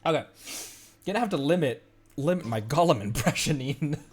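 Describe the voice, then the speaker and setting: A man's voice: fairly high pitch, expressive, brisk, background noise. A male streamer chatting casually on a live stream, tired, self-deprecating and laughing often.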